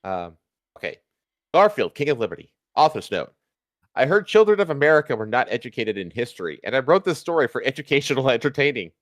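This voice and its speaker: A man's voice: medium pitch, very animated, quick pace, no room sound, studio quality. A man doing a comic reading of fan fiction on a stream, with casual asides.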